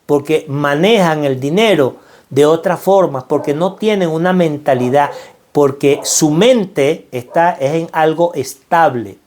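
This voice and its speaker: This financial mindset speaker is a middle-aged man with a Venezuelan Spanish accent and a fairly high, somewhat mellow voice. He talks a bit slowly, preaching motivation with earnest conviction and circling back to key phrases for emphasis.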